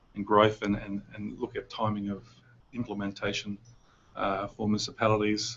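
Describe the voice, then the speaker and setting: Talking fairly quickly, a man delivers his words with an Australian accent. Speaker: stormwater engineering consultant. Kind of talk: technical presentation to council. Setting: town council meeting.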